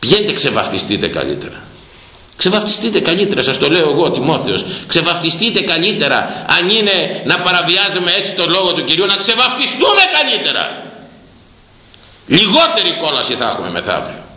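A man preaching a sermon in a fiery, repetitive way, breaking into sudden loud bursts. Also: fairly high pitch, very animated. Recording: roomy echo.

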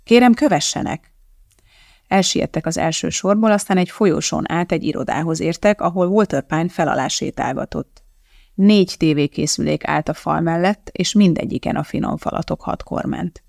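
An audiobook narrator with a gravelly voice reads a novel in an even, measured way. The sound is dry and close, picked up on a close studio mic. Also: mid-range voice, dry recording.

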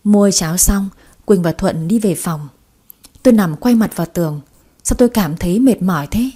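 Woman storyteller, husky, mellow, measured. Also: medium pitch. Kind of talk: dramatic story narration.

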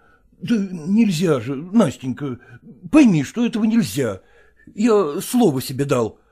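A man's voice: fairly high pitch, big pitch swings, measured pace, mellow, breathy edge, exaggerated voice. A man reading aloud, voicing an evasive actor who nervously wriggles out of his lover's pleas. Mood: weary. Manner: evasive, flustered, sighing.

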